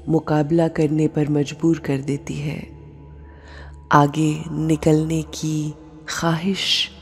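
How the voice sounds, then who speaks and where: A woman leading a guided meditation and prayer, speaking softly in short, measured phrases with long pauses. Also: sits low, breathy edge. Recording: long reverb with music bed. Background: music.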